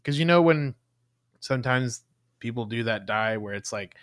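Low-voiced woman cohost, blunt, swears a ton, dry sound. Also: animated, normal speed, no echo. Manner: blunt, swears a lot, emphatic. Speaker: podcast co-host. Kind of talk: casual chat.

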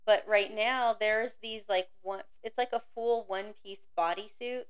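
A woman's voice: mid-range voice, steady tone, a little slow, smooth. A woman in her thirties hosting a casual chat, chatty, with lots of fillers and frequent laughs. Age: 30s. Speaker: podcast host.

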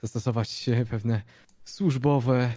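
A man voicing a stiff, formal male character in a tabletop game, speaking haltingly. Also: medium pitch, steady tone, warm tone, faint music behind, natural voice. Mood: urgent.

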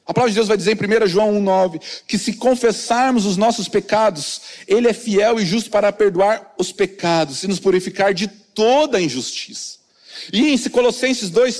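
A man preaching with a high, bright voice that carries through a church with a long, lingering echo. His delivery is earnest, and he sometimes sinks into quiet low tones to drive a point home. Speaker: pastor. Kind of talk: sermon. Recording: long hall reverb from a church.

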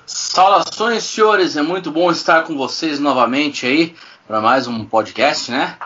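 A man's voice: fairly high pitch, unhurried, pushed and bright, slightly rough, muffled recording. A Brazilian man as a podcast guest, chatting casually and hesitantly, with many tag questions. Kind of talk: casual chat.

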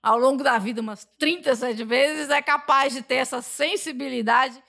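Brief: Brazilian woman, podcast guest, nonstop animated storyteller, voice sits a bit high. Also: moderate pace, creaky. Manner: talkative, animated storytelling with frequent laughs. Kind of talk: casual podcast chat.

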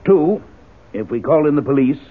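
An actor playing an anxious, stubborn wealthy blackmail victim, curt and firm, in a 1970s radio drama. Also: male voice, a little high, animated, normal speed. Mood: tense, insistent. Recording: narrow-band, muffled old radio broadcast.

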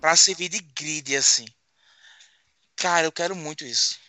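Man, casual emphatic chat, very bright voice. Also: on the high side, measured pace, no echo. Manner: emphatic, repeats himself. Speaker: tabletop group member.

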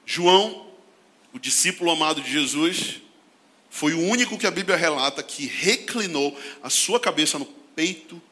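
A man from Brazil, a pastor preaching a sermon, swinging from shouted emphasis to hushed asides and laughing often. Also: fairly high pitch, animated, normal speed.

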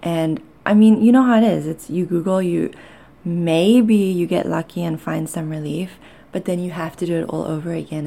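A woman speaks in a low-pitched, mellow voice with plenty of fry in it. Her accent blends South African and Canadian. She talks like a podcast host confiding in listeners, candid and conversational, often pausing to find her words. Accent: mixed South African and Canadian. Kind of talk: personal confessional talk to listeners.

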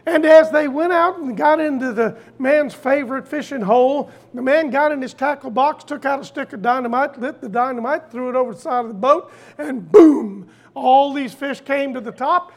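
An older preacher delivering a sermon in a folksy storytelling way, repeating phrases deliberately for emphasis. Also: high voice.

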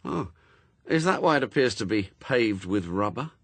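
A man's voice: mid-range voice, expressive, moderate pace, no room sound. A man reading aloud as a nervous, awkward young man who speaks hesitantly. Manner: hesitant, anxious.

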